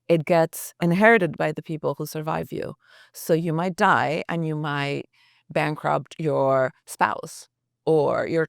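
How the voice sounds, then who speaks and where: A woman's voice: sits low, gravelly, no room sound, clean studio sound. A woman journalist as a podcast guest, talking earnestly and thinking aloud with restarts. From United States. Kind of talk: reflective podcast interview.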